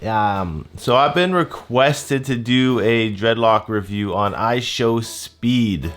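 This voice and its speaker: A man in his thirties giving a casual review in a measured, laid-back way. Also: medium pitch, fairly bright tone. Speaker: YouTube host. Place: small home room with desk and shelves, indoors. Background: guitar music.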